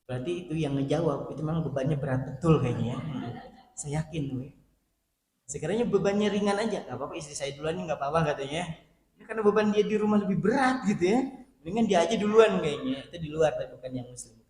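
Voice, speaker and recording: A male preacher giving an animated sermon to a women's study group, acting out quoted voices as he talks to them directly. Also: fairly high pitch, fast talker. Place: mosque hall. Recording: roomy mosque hall, faint background hum.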